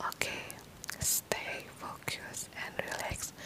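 A woman whispering. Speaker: ASMR creator. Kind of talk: ASMR role-play cranial nerve exam, instructing the listener. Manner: soft, whispery, calming. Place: home room. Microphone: studio mic.

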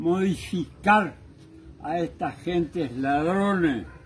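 Light background noise accompanies a man who speaks very slowly in a high pitch with ordinary pitch variation. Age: 80s+. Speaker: elderly rural political supporter. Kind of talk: interview answer. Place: garden. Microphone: phone near.

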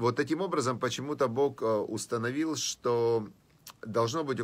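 A man's pitch moves up and down in a normal way. He talks at a moderate speed. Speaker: religious text teacher. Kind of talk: lecture. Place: home room. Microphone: phone near.

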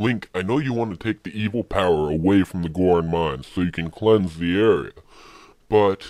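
A man puts on a character voice with a very deep, low pitch, speaking at a moderate pace in a quiet background. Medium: fan dub. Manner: casual, slangy.

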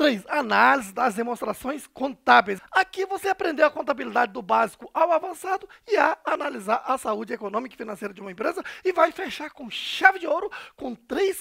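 Against a quiet background, a man with a high voice speaks in an enthusiastic tone. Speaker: course instructor and salesman. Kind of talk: infomercial, hard-sell pitch for an online course bundle. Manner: fast, rapid-fire and urgent; enthusiastic, promotional, pushes viewer to act. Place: studio. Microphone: headset.

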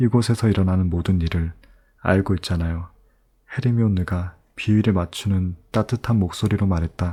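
A man with a very deep, low pitch, a somewhat breathy, dark, mellow tone and fairly even intonation. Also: moderate pace, very clean recording, silent background. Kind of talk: audiobook narration.

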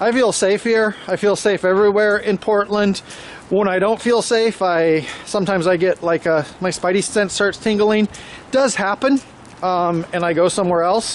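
A moderate pace in a dry sound with no echo, over light background noise. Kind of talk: casual vlog chat. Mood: relaxed, reflective. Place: street. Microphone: phone near.

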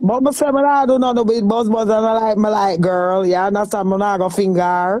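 With a Jamaican accent, a man talks at a fairly quick pace and high pitch, with ordinary pitch variation, very even loudness, hardly any pauses and a quiet background. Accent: Jamaican Patois-inflected English. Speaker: guest. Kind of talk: casual chat. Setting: video call. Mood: laughing, teasing. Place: home room. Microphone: video call.

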